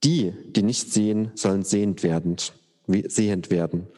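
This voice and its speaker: Brief: authoritative calm teacher, man reading, slow, echoing hall. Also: fairly low pitch, lightly acted. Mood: solemn.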